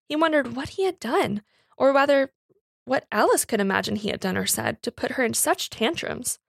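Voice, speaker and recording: Female audiobook-style reader for period fiction: expressive, fairly high voice, very dry recording. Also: normal speed, vocal fry, dry recording. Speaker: story reader. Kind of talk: expressive literary narration of a Victorian tale.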